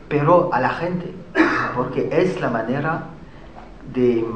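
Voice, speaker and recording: A man with a French accent giving a conference talk, halting often as he searches for words in a language he is still learning. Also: medium pitch, slight background noise. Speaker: conference speaker. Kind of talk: public lecture. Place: conference hall. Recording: echoey hall with faint ambience.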